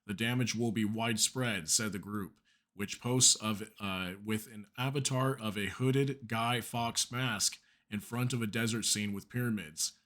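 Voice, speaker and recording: Reading news articles aloud for his online channel, a man talks a little slowly in a lowish, slightly bright voice. He is under the weather and losing his voice, yet stays chatty, sprinkling in fillers and asides.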